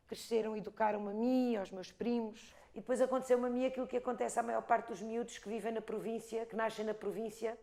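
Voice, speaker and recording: A Portuguese woman in her fifties from the Algarve, an expressive storyteller talking about her life and craft, with an Algarve accent. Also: fairly high pitch, vocal fry. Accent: European Portuguese, Algarve. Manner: expressive storyteller, rhythmic lists. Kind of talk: reflective interview talk.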